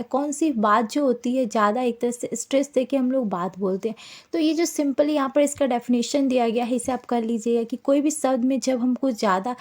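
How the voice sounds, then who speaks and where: A woman's voice: a little high, a little mellow. A woman tutor giving an explanatory exam-prep lesson, often repeating herself as she explains.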